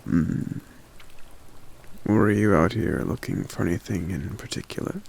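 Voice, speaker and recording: A man voicing a gentle, courteous forest giant in an ASMR roleplay, speaking softly and hesitantly with polite hums and pauses. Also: full character voice. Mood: gentle, caring. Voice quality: very deep, gravelly.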